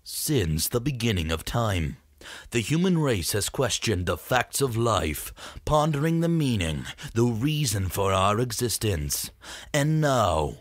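Guy putting on big dramatic movie promo announcer, takes it slow, very dry recording. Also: on the low side, no room sound, voice pushed down, full character voice. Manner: dramatic, deliberate announcer delivery. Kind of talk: trailer and TV promo voice-over.

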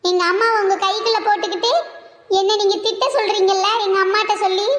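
Brief: squeaky, sharp-tongued young woman, Kanyakumari Tamil accent, teasing and whiny, played by a woman. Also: flat delivery, fast talker, echoey room. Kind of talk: comic family skit.

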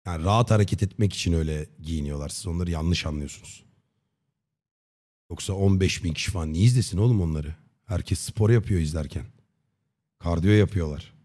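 A man in his thirties chatting casually on a livestream in a slangy, joking, deadpan way. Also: sits low, a little fast, slightly rough. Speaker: live streamer. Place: dim indoor streaming room. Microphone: close desk microphone with headset on.

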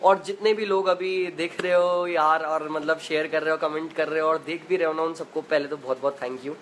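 A man's voice: fairly high pitch, fairly even intonation, normal speed, a little hiss or hum, poor audio. Chatty young man on a phone live chat. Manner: chatty, laughs easily, uses filler 'matlab' and 'yaar'. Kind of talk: casual live chat reading viewer comments. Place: at home. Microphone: phone in selfie view.

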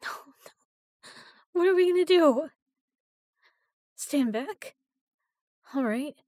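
A young woman performing an intimate audio drama as a frightened prisoner, speaking softly and often in a whisper. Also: sits high, lively intonation, slow pace, no echo, studio quality. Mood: panicked. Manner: soft, breathy, often whispered.

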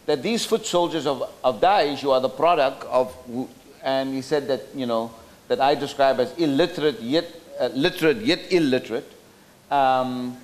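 At a roundtable in a hotel function room, a middle-aged man from South Africa gives a slide lecture into a podium microphone. His voice is mid-range and his pace moderate, and he thinks aloud, often restarting and using fillers.

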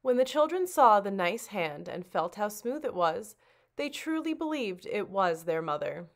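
A woman narrates a children's tale at a medium pitch. Her storytelling is expressive and dramatic, in the manner of a children's librarian reading aloud. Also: a little slow.

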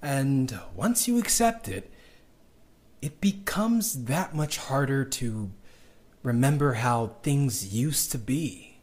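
A man playing a weary, wry young underground dweller in an audio drama, speaking in an intimate, reflective and halting conversational monologue. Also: medium pitch, expressive, darkish tone. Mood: bitter, puzzled. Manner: reflective, halting, with sardonic little laughs and sighs.

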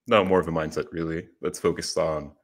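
A young man from Puerto Rico giving a prepared conference presentation, earnest and steady, speaking into a headset in a small room. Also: very deep voice, a little fast. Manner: earnest, steady explanatory delivery.

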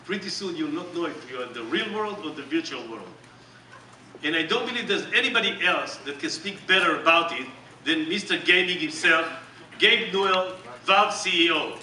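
A middle-aged man with an Israeli accent giving an animated, joking keynote presentation on stage. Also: on the high side, normal speed, recorded from a distance, a little hiss or hum. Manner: animated, joking, emphatic and repetitive. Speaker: company executive presenting on stage. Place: large dark conference hall with audience. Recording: echoey hall recorded from the audience.

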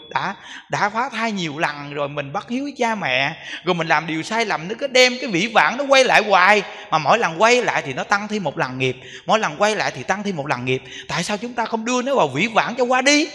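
A Southern Vietnamese monk preaches in a high, bright voice, hammering his points home with repeated phrases and rhetorical questions. His voice carries a long reverb, as if it fills a large temple hall. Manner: emphatic, repetitive, rhetorical questions to the audience. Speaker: Buddhist monk giving a dharma talk. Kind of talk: sermon.

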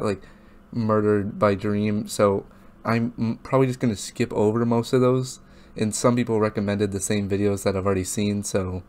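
A man's voice: on the low side, a little mellow. A young man talking casually as the host of a reaction video. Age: young adult. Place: small room at home, indoors.

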